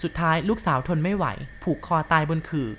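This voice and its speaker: A woman host telling a ghost story in calm, slow-paced scripted narration with polite endings. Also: sits low, slight background noise.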